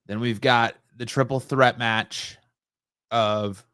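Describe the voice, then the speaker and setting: A man's voice: medium pitch, fairly even intonation, takes it slowly, a bit bright, smooth, dry recording, clean studio sound. A man co-hosting a podcast in a casual sports discussion. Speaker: wrestling podcast co-host.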